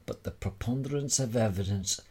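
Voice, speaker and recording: A man delivering a rambling monologue straight to the listener in a wry, theatrical manner with deliberate dramatic pauses. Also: on the low side, darkish tone, husky. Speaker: speaker sharing personal views.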